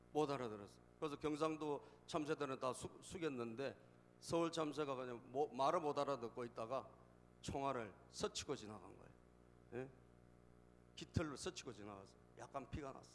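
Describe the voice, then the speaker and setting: A man's voice: mid-range voice, a little hiss or hum. A male pastor preaching a sermon, telling jokes and repeatedly prompting the congregation for responses, stressing key phrases by repeating them. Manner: emphatic repetition of key phrases. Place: church sanctuary. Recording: long church hall reverb.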